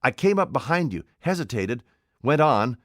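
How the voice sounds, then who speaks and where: A man's voice: medium pitch, very animated, normal speed, fairly bright tone, no room sound, clean studio sound, pitched above the performer's own voice. A man voicing an invisible man in an audiobook, speaking in a curt, imperious, cold way. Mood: intense. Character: commanding, desperate invisible man, adult male. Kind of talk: audiobook character voice.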